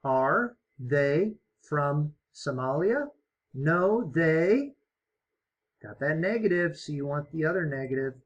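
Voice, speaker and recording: Slow, encouraging man teaching English. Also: a little high, animated, dull audio. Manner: slow, encouraging, explains step by step. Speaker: ESL teacher. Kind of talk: online English lesson.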